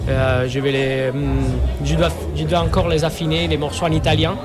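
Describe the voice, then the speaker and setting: A man's voice: a little high, flat delivery, moderate pace, over music. Man searching for French words. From Sicily. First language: Sicilian. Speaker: musician guest. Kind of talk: radio interview.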